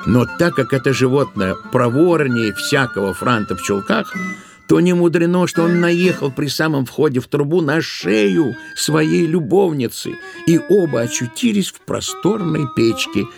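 A man's voice: on the high side, lively intonation, a little slow, creaky. A man narrating a literary tale as an audiobook storyteller, expressively and with playful, wry intonation. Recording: studio audio drama with music behind. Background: music.

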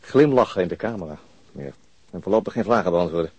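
An actor playing a world-weary police detective in a radio drama, husky and matter-of-fact. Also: male voice, sits low, lively intonation, quick pace, darkish tone, muffled recording. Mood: weary, wry. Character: brisk, world-weary male police detective at a crime scene. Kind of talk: naturalistic radio drama acting.

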